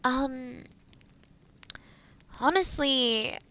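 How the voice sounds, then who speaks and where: Gentle, slow-talking young-sounding witch, acted by a woman. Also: high voice, exaggerated voice. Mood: thoughtful. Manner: soft, caring, hesitant, explaining patiently. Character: kind, gentle forest witch brewing potions. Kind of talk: roleplay audio addressed to the listener.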